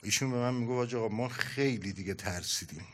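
A middle-aged man preaching a sermon, telling a story with animated storytelling and acted-out dialogue. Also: medium pitch.

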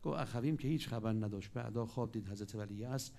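A man preaching a sermon, telling stories with sudden swings between loud and hushed delivery. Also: lowish voice, gravelly.

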